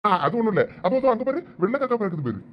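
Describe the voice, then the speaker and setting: A man's voice: sits high, very animated, racing, slight background noise. A man voicing a sly, coaxing young man. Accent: Thoothukudi Tamil. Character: scheming young man, the senior, playful and sly. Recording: dull lo-fi sound.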